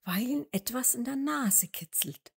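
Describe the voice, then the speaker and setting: A woman narrating a story for small children as an expressive storyteller. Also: a little high, a little slow, creaky, husky.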